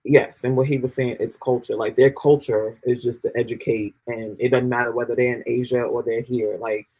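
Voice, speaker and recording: A man's voice: mid-range voice, little pitch movement, brisk, a little mellow, rough recording. Rambling New York man in casual chat. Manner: rambling, repeats fillers. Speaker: podcast co-host.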